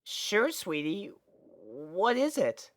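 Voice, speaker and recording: A woman's voice: medium pitch, big pitch swings, very slow, voice pushed up. A woman voicing a casual, mildly bewildered young boy dragon in a storybook reading. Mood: confused, friendly. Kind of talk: storybook character voice in a fan fiction reading.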